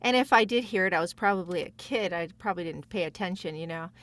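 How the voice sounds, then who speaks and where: A woman guest voice actress telling stories casually, in a chatty, giggly, rambling and animated way. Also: on the low side, quick pace, no echo.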